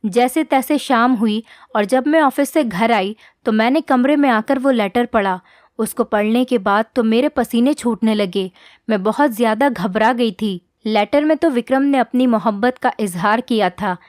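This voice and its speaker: A woman telling a heartfelt first-person story as a scripted narration, in a steady, earnest reading. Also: on the high side, moderate pace, no room sound, studio quality.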